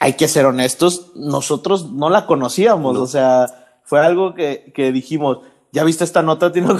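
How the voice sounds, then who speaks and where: Using an ordinary speaking voice, a man with fairly high pitch and ordinary pitch variation talks at a fairly slow pace. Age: 20s. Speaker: motorsport podcast host. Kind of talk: casual chat. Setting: studio.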